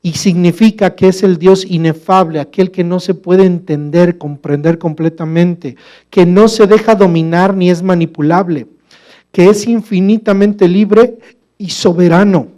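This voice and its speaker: A man preaching a sermon in a church, asking the congregation rhetorical questions and calling them brother, moving between emphatic loud passages and quiet low asides. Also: a little slow.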